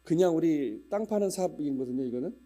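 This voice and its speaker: Before preaching, this fifties-aged pastor jokes and swaps stories with his flock, slipping into regional dialect impressions as he runs through casual announcements. He sounds mellow and fairly high, speaking fairly quickly with lively intonation.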